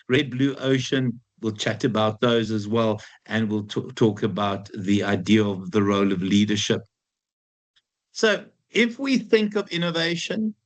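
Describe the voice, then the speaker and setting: A man with a broad Afrikaans South African accent gives an informal university lecture. His voice sits at a middling pitch. He talks conversationally, doubling back on his words and checking in with the class.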